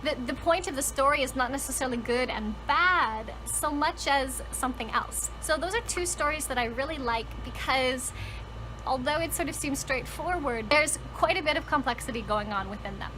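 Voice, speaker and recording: A woman's voice: high-pitched, animated, normal speed, background noise. A woman talking casually and enthusiastically to viewers as a book vlogger, conversational and leaning on words for emphasis. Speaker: book vlogger and storytelling channel host.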